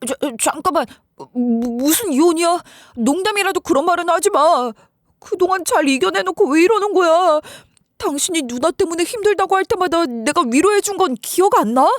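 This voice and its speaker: A woman's voice: very high-pitched, animated, moderate pace, dry recording, clean studio sound, voice pushed up. A woman voicing a panicked husband who stammers and begs his wife not to leave, for a story radio show. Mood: flustered. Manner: stammering, begging. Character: panicked pleading husband, young adult man.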